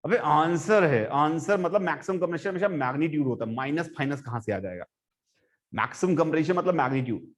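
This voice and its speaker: Animated male physics teacher. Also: a little high, fairly quick. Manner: animated, swings between soft and loud, addresses students directly. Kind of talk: classroom lecture. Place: classroom.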